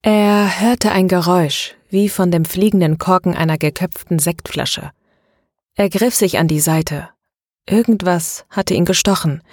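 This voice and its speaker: A woman narrating a novel in a steady, measured reading. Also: lowish voice, dry recording, studio quality. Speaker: audiobook narrator. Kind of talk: scripted narration.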